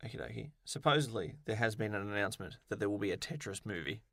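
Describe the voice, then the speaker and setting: A man's voice: fairly low pitch, lively intonation, fast, creaky, a bit bright, no room sound, clean studio sound. A man co-hosting a podcast, putting questions in a playful, jokey, casual way. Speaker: podcast co-host asking questions. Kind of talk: casual banter.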